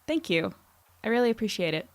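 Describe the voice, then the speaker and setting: A woman's voice: a little high, sing-song, fairly quick, dry recording. A woman in her twenties playing an anxious, wry young reporter rambling into an audio diary in a casual, self-deprecating way. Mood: polite, attentive. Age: 20s. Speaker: narrator and lead character. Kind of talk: audio drama diary monologue, casual and conversational.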